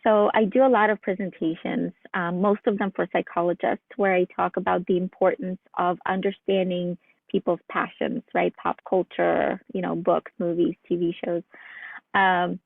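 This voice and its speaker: A psychologist guest from Ukraine answers questions earnestly, pausing on fillers as she reflects. Her voice has a gravelly fry, and it comes through a tinny, phone-like line that sounds dry and close. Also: on the low side, little pitch movement, dry recording. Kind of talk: casual interview answers.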